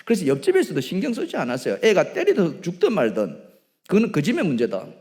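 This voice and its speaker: A man preaches a sermon with a fairly high voice that swings widely, rising to emphatic peaks before falling to soft asides. He keeps asking his congregation questions. A long reverb hangs around his voice in the sanctuary. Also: huge pitch swings, fast. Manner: asks the congregation frequent questions. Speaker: pastor. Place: church sanctuary.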